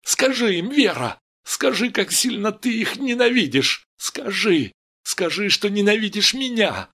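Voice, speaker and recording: A man's voice: high-pitched, expressive, a little slow, bright, forceful tone, husky, voice pushed up, heavily acted. A man voicing a desperate young man who pleads urgently. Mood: pleading.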